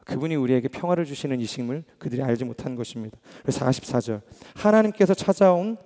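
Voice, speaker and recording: A man preaching a sermon, earnest, asking the congregation questions and swinging from emphatic peaks to soft low asides. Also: rapid-fire. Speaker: pastor. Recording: long hall reverb.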